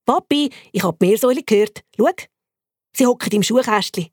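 A woman with a Swiss German accent voicing a young girl, Sophia, in a bright, pleading way. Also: on the high side, lively intonation, brisk, no room sound, clean studio sound, pitched above the performer's own voice. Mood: eager. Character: young girl glued to her phone.

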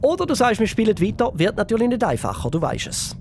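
A quiz host with a Swiss German accent runs a children's radio quiz. The voice is lively and swoops widely in pitch while staying playful and encouraging. Faint noise sits under it. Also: fast talker.

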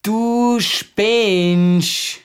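A woman's voice: deep voice, expressive, measured pace. A woman playing Leo, a cheeky, teasing boy in a children's radio play. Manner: teasing, playful.

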